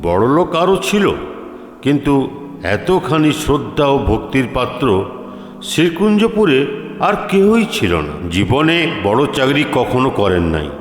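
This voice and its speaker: A man reading a literary story as narrator, with formal, deliberate phrasing. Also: medium pitch, very animated. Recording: echoey, long reverb, music behind. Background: music.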